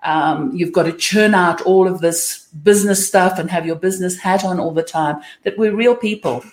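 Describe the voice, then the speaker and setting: A woman's voice: fairly low pitch, normal speed, darkish tone. A woman hosting a casual video call chat, encouraging and thoughtful. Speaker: host. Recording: echoey room.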